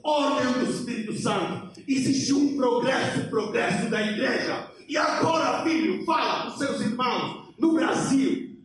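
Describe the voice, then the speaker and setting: A man from Poland with a Polish accent preaches an impassioned, emphatic sermon in halting non-native Portuguese. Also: very high voice. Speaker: missionary preacher. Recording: very echoey hall, distant, faint noise.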